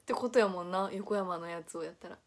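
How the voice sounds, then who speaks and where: A woman's voice: fairly low pitch, a little fast. Giggly young woman with a Kansai accent. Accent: Kansai, Nara. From Nara, Japan. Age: young adult. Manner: chatty, laughs often, reads comments aloud. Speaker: idol livestream host. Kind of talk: casual livestream chat reading comments.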